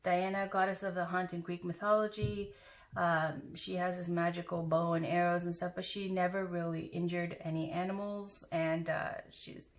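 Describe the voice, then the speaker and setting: A woman giving a casual, chatty tarot reading to her viewers, with loose asides and fillers. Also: on the low side. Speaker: tarot reader.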